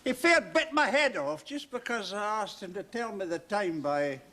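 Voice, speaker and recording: Give me a gloomy, doom-mongering old soldier in a 1970s sitcom. His dramatic, scornful voice sits high and swoops a lot. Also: expressive, normal speed, bright, forceful tone, slight background noise.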